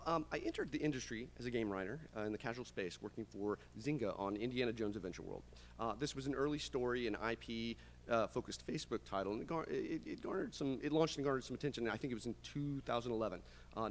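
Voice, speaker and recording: A man in his thirties giving a conference presentation as a game writer, hesitant and often restarting his sentences. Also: medium pitch. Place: medium conference room, indoors. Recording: reverberant conference room, clear background noise.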